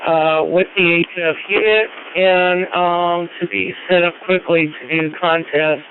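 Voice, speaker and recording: A man calling in to an amateur radio net over two-way radio, speaking casually and haltingly. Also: high voice, fairly even intonation. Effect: two-way radio transmission. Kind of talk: casual ham radio exchange. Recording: muffled radio signal with hiss.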